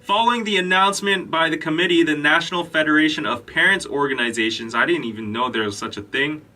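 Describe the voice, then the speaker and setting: A man's voice: on the high side, fast talker, pushed and bright, recorded from a distance, soft background music. A young man from Korea hosting a live podcast stream, chatting casually with lots of fillers and restarts. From South Korea. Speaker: podcast host. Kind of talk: casual live-stream chat and news reading.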